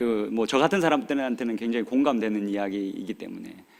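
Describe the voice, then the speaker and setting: A man speaks in an animated tone at a moderate pace. His pitch sits in the middle range. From South Korea, Busan. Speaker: pastor. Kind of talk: sermon.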